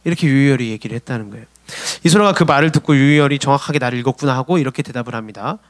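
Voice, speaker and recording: A man preaching a sermon as a youth pastor, animated and acting out people's complaints in his own voice. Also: medium pitch, very fast, no echo. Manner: animated, acts out quoted complaints. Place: church service.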